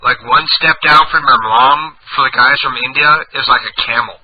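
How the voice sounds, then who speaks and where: A man's voice: medium pitch, moderate pace, slightly rough. A man hosting a radio show, making a crude prank call, brash and mocking with frequent insults. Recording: lo-fi radio broadcast with faint hiss.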